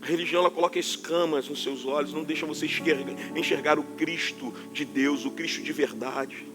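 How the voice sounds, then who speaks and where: A Carioca man preaching in a high voice with forceful emphasis that sounds like scolding. A faint instrument plays under his words. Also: steady tone, fairly quick, over music. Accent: Carioca Portuguese. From Rio de Janeiro, Brazil. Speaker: pastor. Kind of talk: sermon.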